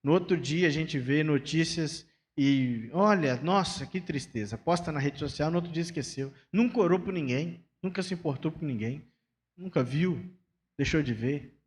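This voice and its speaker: A man's voice: on the high side, normal speed, in a large hall. A man with a Brazilian Portuguese accent, a pastor preaching a sermon in a conversational way and acting out everyday dialogues. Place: church sanctuary.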